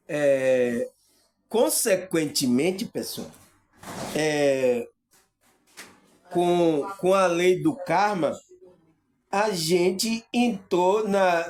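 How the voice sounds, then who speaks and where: Slow-speaking Bahian man teaching spirituality. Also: high-pitched, darkish tone. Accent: Bahian Brazilian Portuguese. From Salvador, Bahia, Brazil. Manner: keeps asking viewers if they understand, hesitant fillers. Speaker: spiritual video host. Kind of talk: spiritual teaching monologue to camera.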